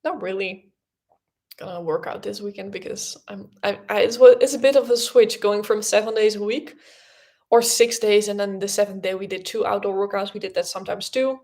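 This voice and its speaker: A woman's voice: mid-range voice, steady tone, brisk, darkish tone. A young woman whose first language is Dutch, chatting casually and rambling with many fillers as host of a livestream podcast.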